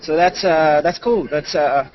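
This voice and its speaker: A man's voice: a little high, a little slow, a little hiss or hum. A man live-streaming a video blog on his way to a convention, chatting casually with many fillers and restarts. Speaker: video blogger. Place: walking through a busy convention and monorail. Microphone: head-mounted display mic. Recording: dull lo-fi live stream with crowd behind.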